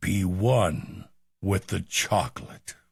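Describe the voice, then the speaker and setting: The speaker is a man doing a put-on character voice. It sits at a fairly low pitch. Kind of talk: trailer narration. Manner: dramatic.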